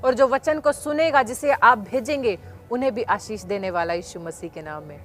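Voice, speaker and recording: A woman with a fairly high voice preaches to viewers watching a livestream. She talks in a fervent, urging way, calling on people to share and testify, and brings her stories to life by acting out the voices. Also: moderate pace. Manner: acts out voices in a story. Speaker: church presenter. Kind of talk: evangelistic sermon for a livestream.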